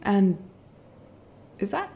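A woman playing an easygoing, gently teasing and curious friend in naturalistic audio drama dialogue. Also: mid-range voice, sing-song, very slow, creaky, heavily acted. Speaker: actor in a sci-fi audio drama.

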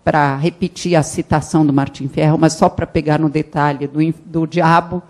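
Animated woman speaking on a conference panel. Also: low-pitched, normal speed. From Brazil. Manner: animated, gestures while speaking, many restarts and emphatic rises. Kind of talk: academic conference talk. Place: conference hall with a panel table. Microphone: handheld mic.

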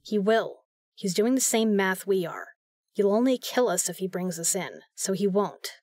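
A woman's voice: medium pitch, animated, normal speed, a little mellow, no echo, studio quality, natural voice. A woman playing a tough, protective secret agent in an audio drama, speaking in a blunt, matter-of-fact way. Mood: defiant.

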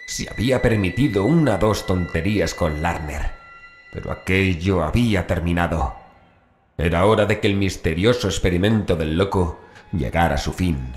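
A man's voice: low voice, darkish tone. A man reading a scripted horror story as an audiobook narrator. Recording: roomy echo with faint music. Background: background music.

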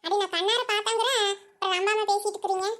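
Brief: a woman doing a squeaky, rapid-fire cartoon village gossip, nosy and insistent. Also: steady tone, a bit bright. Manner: breathless rapid gossiping, chuckling asides. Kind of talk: cartoon voice acting.

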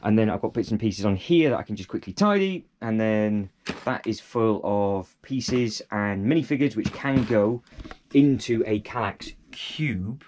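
Pes sesli İngiliz adam, gündelik vlog anlatımı, geveze ve kendiyle dalga geçen. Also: male voice, fairly low pitch, measured pace, darkish tone, slight background noise. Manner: chatty, self-deprecating, lots of fillers and repeats. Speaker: vlogger. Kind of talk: casual vlog narration while painting and tidying. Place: indoor hobby room at home.

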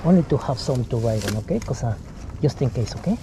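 A man chatting casually in a halting, repetitive way while tidying, often checking with a quick "okay?". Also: medium pitch, expressive. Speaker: vlogger. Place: in and beside a parked car. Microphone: body-worn action camera. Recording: noisy car and parking-lot ambience.

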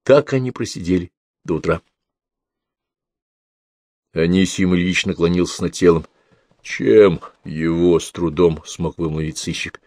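A man narrating an audiobook dramatically, raising his voice for the characters' dialogue and slowing down on key lines. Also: sits low, a little mellow, dry recording, studio quality.

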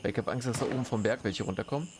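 A man's voice: medium pitch, very fast, background noise. A man giving casual, chatty commentary while playing a game, tense and swearing now and then. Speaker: gaming commentator.

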